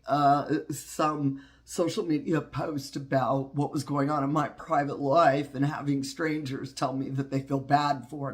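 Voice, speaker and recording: A man with a drawl speaks heartfelt and unscripted, leaning on "you know" and "uh" as he works through a hard time. His voice sits a little higher than most men's yet sounds low and stuffy from a cold. He talks about community and spirituality with earnest warmth. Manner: folksy, heartfelt, many fillers and restarts. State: congested. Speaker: witchcraft channel host. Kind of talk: personal reflective talk.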